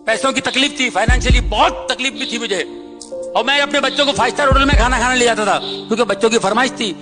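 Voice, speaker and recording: A man's voice: extremely high pitch, fast, big-room sound, music in the background. A man telling a personal story about hard times. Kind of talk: personal anecdote.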